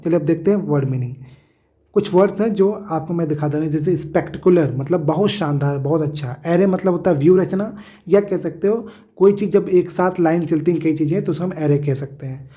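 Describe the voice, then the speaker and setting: A man's voice: a little high, a little fast, mellow. A man teaching a textbook lesson, explaining word meanings with everyday examples, often checking in with a tag question and correcting himself.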